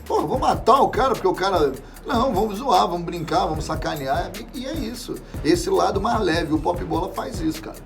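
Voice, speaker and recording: A man's voice: sits high, brisk, vocal fry, hardly any pauses, over music. A man, a guest chatting casually about football with swearing and many restarts. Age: 40s. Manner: animated, swears freely, trails off and restarts. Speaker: interview guest.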